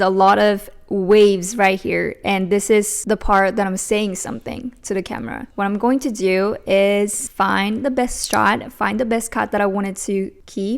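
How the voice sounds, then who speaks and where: A woman speaks with a Japanese accent at medium pitch. Her pace is fairly slow and her intonation fairly even. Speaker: content creator and dancer. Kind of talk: tutorial.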